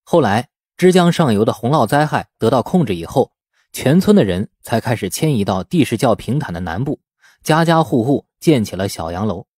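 A man narrating a novel as a scripted audiobook, in an expressive storytelling manner. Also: medium pitch, moderate pace, husky, no echo, studio quality.

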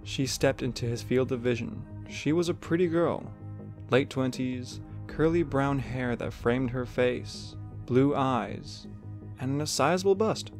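A man narrates a scripted story in a gravelly, creaky voice of middling pitch. Faint music plays behind him. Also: a little slow.

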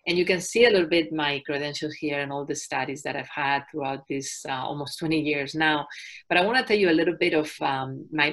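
A woman in her forties from Spain with a Spanish accent, presenting a fitness webinar as a trainer and health coach in a calm, soft-spoken way. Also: low voice.

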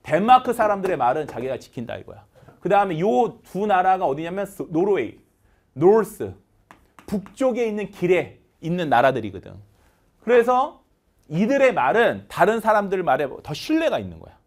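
A man teaching English vocabulary in an online lecture, animated and leading chanted word drills. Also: high voice, normal speed.

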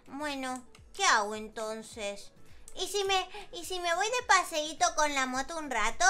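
A woman's voice: extremely high pitch, sharp tone, heavily acted. A woman voicing a small, mischievous girl in a game roleplay, dramatic and fretting aloud to herself. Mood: fretful. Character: small, mischievous girl afraid of her dad. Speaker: Roblox roleplayer.

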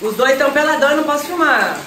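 A woman's voice: sits high, animated, rapid-fire, sharp tone, slight background noise. A woman in her thirties with a Brazilian Portuguese accent, chatting affectionately and exclaiming through a casual family vlog. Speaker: family vlogger and mother.

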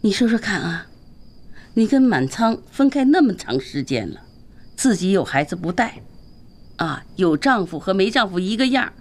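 A woman's voice: mid-range voice, big pitch swings, moderate pace, darkish tone. An actress in her fifties playing a bossy mother who nags and scolds her grown daughter in a TV drama. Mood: scolding. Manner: scolding, nagging, insistent. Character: bossy, scolding middle-aged mother, quick-tempered. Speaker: mother and grandmother. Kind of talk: TV drama acting.

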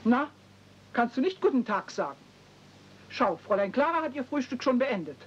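An actress playing a stern, prim, haughty housekeeper who scolds, in a 1970s radio play. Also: female voice, on the high side, sing-song, normal speed. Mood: scolding, curt. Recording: dull old radio play recording.

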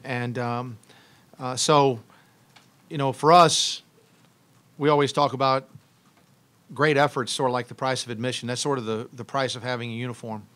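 A middle-aged man, medium-pitched and fairly bright in tone, answers the press as a head basketball coach after a game. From his seat at a table before a logo backdrop, he talks into a stand-mounted table mic, stopping and restarting a lot with many ums as he thinks.

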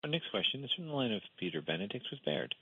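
A man speaks as a conference call operator, delivering scripted announcements very quickly. His voice is husky and lively in pitch. The audio is dull and muffled. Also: dry recording.

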